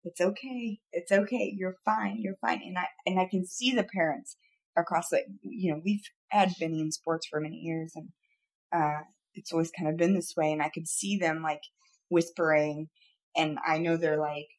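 A woman in her thirties speaks into a studio podcast mic in relaxed chat. Her voice sits a little low, and she talks earnestly, rambling through her thoughts with many fillers and restarts. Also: moderate pace. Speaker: podcast co-host. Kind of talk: casual chat.

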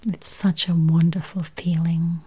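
A woman leads a guided meditation in a soft, whispery voice, gently speaking in short, spaced phrases. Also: fairly low pitch, level tone, a little slow, breathy edge. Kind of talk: guided meditation, counting and affirmations.

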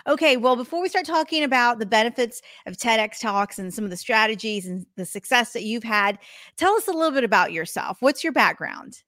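A woman's voice: fairly high pitch, expressive, brisk, fairly bright tone, dry recording, clean studio sound. A woman hosting a podcast, with an enthusiastic, promotional way of introducing the show and her guest. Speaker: podcast host. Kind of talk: upbeat podcast interview.

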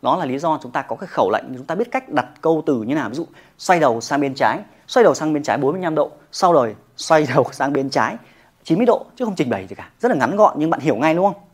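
Yoga trainer; motivational to-camera talk, fast delivery, emphatic. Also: mid-range voice, expressive. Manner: emphatic, with frequent rhetorical check-ins.

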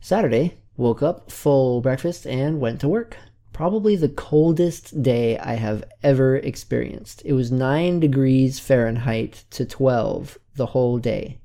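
A man's voice: medium pitch, a little slow, creaky, mellow. A man in his twenties hosting his own weekly self-improvement podcast, a little congested and recounting his week in an earnest, plain way. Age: 20s. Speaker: podcast host. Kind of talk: casual weekly self-recorded update.

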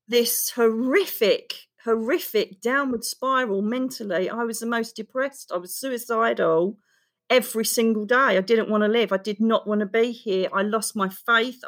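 Emotional woman telling her story. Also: fairly high pitch. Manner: emotional, expressive, fast-running storytelling. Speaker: guest author. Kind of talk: candid personal storytelling in an interview.

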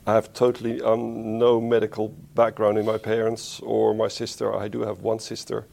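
A man from the Netherlands, a spine surgeon being interviewed, who talks in a thoughtful, unhurried way and corrects himself as he goes. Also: fairly low pitch, monotone, gravelly, darkish tone. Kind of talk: conversational interview.

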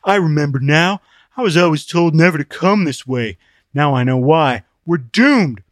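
A man's voice: on the high side, animated, moderate pace, no room sound, studio quality, voice pushed up, close to an everyday voice. A man voicing a pompous, fearful male traveling companion who complains dramatically in an audiobook story. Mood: resigned gloom.

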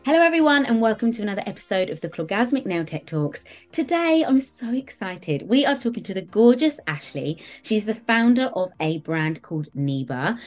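Upbeat woman hosting a podcast. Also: mid-range voice. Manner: upbeat, enthusiastic. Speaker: podcast host. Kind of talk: casual chat and read sponsor ad.

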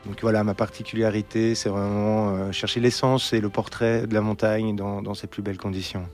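A Belgian mountain photographer in his thirties talks in a relaxed podcast interview, hesitating with lots of fillers and restarts. His voice is fairly low and fairly quick, with faint music in the background.

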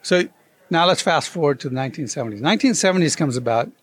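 A man's voice: a little high, fast talker. A man as an interview guest, telling a story and acting out the quoted voices. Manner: animated, acts out quoted dialogue. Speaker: guest author. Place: convention.

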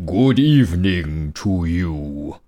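A man voicing a great white bear from a storybook, courteous and solemn, speaking slowly and formally. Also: low voice, expressive, dark tone, muffled recording, voice pushed down. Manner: slow, grave, formal speech. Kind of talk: storybook character voice.

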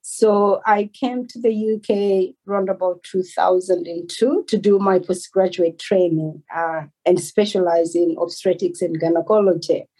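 A Malawian woman in her forties, a doctor answering interview questions in a measured, earnest way. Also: lowish voice, fairly even intonation, mellow, breathy edge, low-quality recording. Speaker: guest, consultant doctor.

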